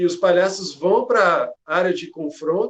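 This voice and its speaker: Speaking at a very slow pace, a man uses lively intonation. His pitch is high. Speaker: clowning workshop teacher. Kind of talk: online workshop lecture.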